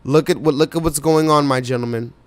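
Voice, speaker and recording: A man's voice: on the high side, steady tone, fairly quick, dry recording. A man hosting a live reaction stream, reading viewer comments aloud and pressing his chat with urgent, repetitive remarks. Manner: urgent, insistent, repeats himself, addresses chat directly.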